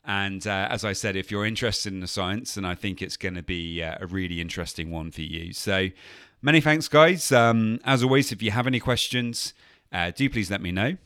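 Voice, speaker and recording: Low-voiced male podcast host, friendly, hesitant delivery, dry sound. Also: fairly quick, fairly bright tone, clear, resonant tone, no echo. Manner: friendly, many uhs and restarts. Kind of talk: podcast intro and interview.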